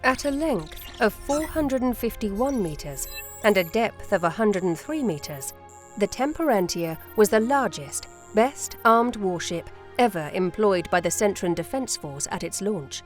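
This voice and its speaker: Formal woman narrator over soft music. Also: medium pitch, animated. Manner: formal, measured delivery. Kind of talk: scripted documentary-style narration.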